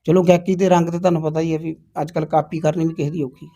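A folk singer talks in a humble, soft-spoken way, often agreeing as he goes. His voice sits high for a man. He answers questions casually in an interview. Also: little pitch movement, racing. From Punjab, India.

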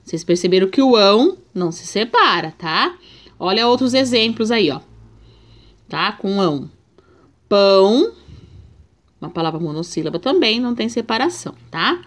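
A woman's voice: mid-range voice, sing-song, moderate pace, pauses often. A Brazilian woman teaching a remote reading lesson to young children, patiently drawing out each syllable. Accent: Brazilian Portuguese. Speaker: primary school teacher.

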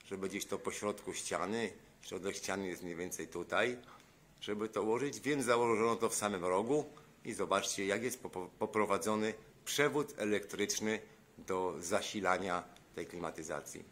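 Brief: a lower-pitched man vlogging through a house, dryly exasperated about botched repairs, recorded on a handheld phone. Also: moderate pace, a bit bright. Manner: exasperated, sarcastic complaining. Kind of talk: narrated house walkthrough. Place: indoors, rooms of a house.

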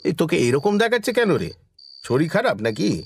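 A man's voice: on the high side, sing-song, normal speed, creaky, a little hiss or hum. An actor playing a worried yet stoic village man in a horror audio drama, speaking in a familiar, emotive way. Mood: anxious, questioning. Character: male villager friend, worried yet stoic, plain-spoken.

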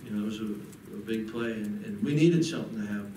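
Middle-aged coach at a presser, lots of "and, and" restarts, roomy echo, kinda far from the mic. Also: male voice, lowish voice, warm tone. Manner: halting, many restarts and repeated words. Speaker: head football coach. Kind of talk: postgame press conference. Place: press room in front of a backdrop. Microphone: table mic on a desk. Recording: echoey room, mic a bit far, audible noise.

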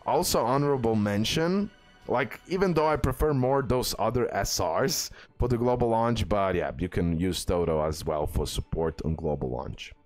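Low-voiced man doing game commentary over music. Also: moderate pace, darkish tone. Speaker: gaming video host. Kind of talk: casual game guide commentary. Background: background music.

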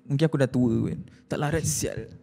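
A man's voice: a little high, fairly quick, warm tone. A young man chatting casually on a podcast, talking in a laid-back, slangy and candid way. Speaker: podcast co-host. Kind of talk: casual chat. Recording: long hall reverb.

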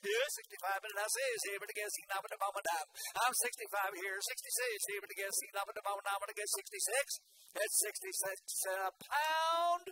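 A man's voice: sits high, lively intonation, fast, sharp tone. An older man works as a livestock auctioneer, folksy and rhythmic in his announcements and chanting. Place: indoor livestock show arena. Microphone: microphone at auction stand. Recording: clear background arena noise.

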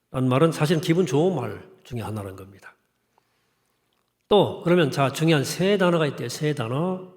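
A middle-aged male pastor with a slightly high, darkish voice gives a sermon in a conversational way. He poses rhetorical questions to the congregation and reads scripture in a formal cadence.

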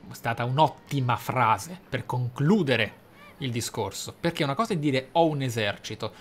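A man commentating on his role-playing game playthrough, musing aloud theatrically with pauses for emphasis. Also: mid-range voice, a little hiss or hum. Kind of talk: let's play commentary.

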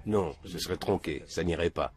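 In a documentary interview recorded on an off-camera film crew mic, an older man seated in a small room responds earnestly and matter-of-factly. He speaks at normal speed in a deep voice.

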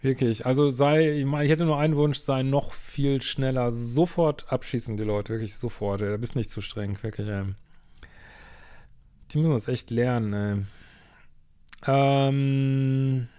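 A man's voice: mid-range voice, steady tone, a little slow, dark tone, clear, resonant tone. Sarcastic male couples therapist reading mail. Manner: sarcastic, blunt, slangy asides. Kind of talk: reading a viewer's email aloud with commentary.

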